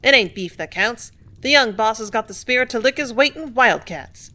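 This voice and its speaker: A woman voicing a rough male factory workman who talks in slang. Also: fairly high pitch, lively intonation, normal speed, bright, forceful tone, pitched above the performer's own voice. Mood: rowdy.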